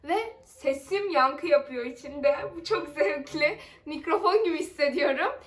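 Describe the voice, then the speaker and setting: A woman's voice: sits high, animated, a little slow. A woman unboxing on her vlog, talking into a vase so her voice comes back hollow and echoing, gushing and chatty. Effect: hollow echo from talking into a vase. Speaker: unboxing vlogger. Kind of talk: casual unboxing chat to viewers. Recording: echoey room, mic at a distance, faint noise.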